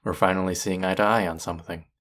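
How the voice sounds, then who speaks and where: A man playing a young chef in an intimate audio roleplay, a combative, exasperated rival with an earnest, tender side and a gravelly, halting delivery. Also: deep voice, steady tone, a bit bright. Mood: relieved, gentle.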